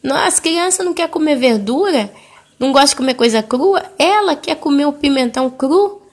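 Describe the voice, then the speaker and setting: A woman voicing an earnest, calm young mother. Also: on the high side, normal speed, breathy edge. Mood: pleading. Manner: earnest, reasoning. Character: calm young mother, pleading with her own mother.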